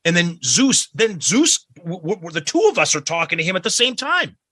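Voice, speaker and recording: A man with a Boston accent tells a story on a podcast, stumbling and restarting as he goes. His voice is husky and bright. The recording is dry and close. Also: high-pitched, sing-song, normal speed, no echo. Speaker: podcast co-host. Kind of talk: casual podcast chat.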